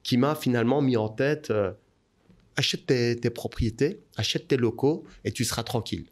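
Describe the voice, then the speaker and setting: Male guest, lively anecdote-teller, mid pitch. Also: normal speed. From Belgium. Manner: animated storyteller, rising pitch as the story heats up. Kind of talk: telling a personal story in an interview.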